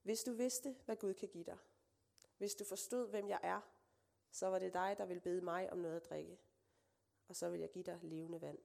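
A woman reading as a calm male teacher. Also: lowish voice, vocal fry. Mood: earnest.

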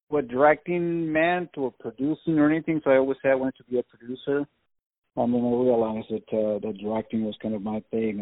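Gravelly man on a phone line. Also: mid-range voice, dry recording. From Venezuela. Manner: relaxed, reflective, halting. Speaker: film director guest. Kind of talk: casual interview answers. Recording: tinny dry phone line.

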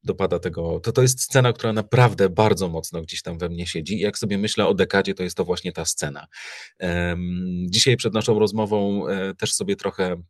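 Man, very low voice, hesitant casual interview talk, dry sound. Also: steady tone, normal speed, no room sound. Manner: hesitant, many fillers and restarts. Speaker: guest, audiobook narrator.

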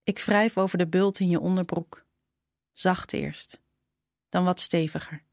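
A woman narrating a short story in a slow, intimate reading style. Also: lowish voice, fairly even intonation, dry recording, clean studio sound. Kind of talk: scripted storytelling.

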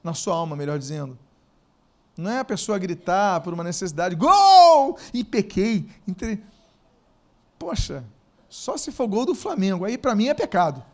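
Male preacher, high-pitched, animated, quizzes the congregation, punches words with loud bursts. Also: moderate pace, long pauses. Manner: asks the congregation questions. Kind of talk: sermon.

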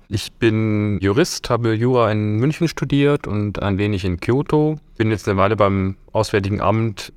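A man speaking as a guest on a podcast panel, connected remotely, calm and matter-of-fact. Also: on the low side, no room sound. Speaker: embassy political officer, panel guest.

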